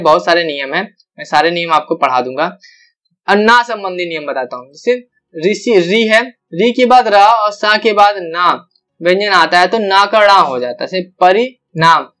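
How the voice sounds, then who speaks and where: A young man teaching an online grammar lesson, explaining step by step and repeating each example with drawn-out syllables. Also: sits high, pushed and bright.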